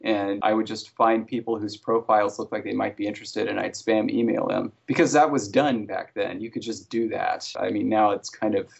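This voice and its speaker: A man as an interview guest, talking in a relaxed, chatty way with wry jokes. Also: lowish voice, brisk, creaky, hardly any pauses, breathy edge. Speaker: interview guest, language creator. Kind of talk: casual interview conversation. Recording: slightly dull lo-fi audio.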